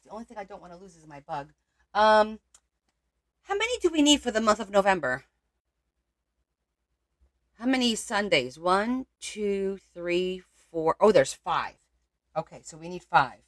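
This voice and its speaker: A woman's voice: medium pitch, sing-song, unhurried, long pauses. A woman from Portugal hosting a crafting livestream, thinking aloud as she works and answering viewer comments. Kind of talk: casual crafting livestream chat.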